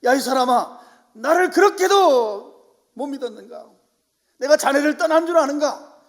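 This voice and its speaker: A man's voice: very high voice, lively intonation, unhurried, in a large hall, voice pushed up, exaggerated voice. A preacher voicing a fervent fatherly God. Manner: old-fashioned fatherly speech, pleading and fervent. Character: tender fatherly God comforting a despairing prophet.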